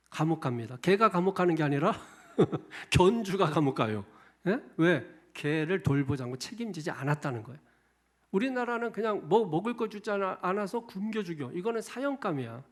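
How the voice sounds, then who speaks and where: A middle-aged male pastor preaching a sermon, emphatic, firing off repeated rhetorical questions with loud stresses on key words. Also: sits high. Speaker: senior pastor.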